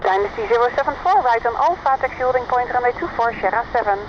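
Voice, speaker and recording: A woman's voice: on the high side, lively intonation, fast talker. A woman giving clipped air traffic control instructions over an aviation radio. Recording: muffled radio, loud aircraft noise. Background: loud aircraft noise at airport.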